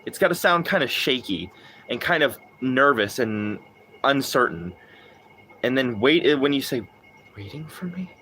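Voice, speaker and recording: A young man live-streaming a game, chatting casually, swearing and getting excited. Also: a little hiss or hum. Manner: profane, excitable, quick swings in pitch. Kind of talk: casual live-stream chat while gaming.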